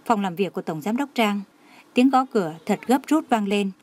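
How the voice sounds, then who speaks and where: A woman narrating a romance novel audiobook in a steady storytelling manner. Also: medium pitch, moderate pace.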